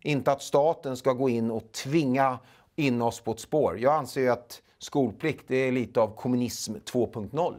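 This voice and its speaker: Swedish man in his 40s, interview guest, halting delivery, lots of fillers, lapel mic. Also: medium pitch, darkish tone. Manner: halting, many filler sounds. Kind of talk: studio interview. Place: small studio.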